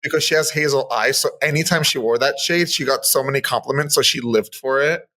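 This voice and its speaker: A man's voice: medium pitch, fairly quick, bright, forceful tone. A man in his thirties from Southern California, chatting upbeat as a podcast guest, full of casual fillers. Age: 30s. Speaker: guest, makeup artist. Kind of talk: casual interview chat.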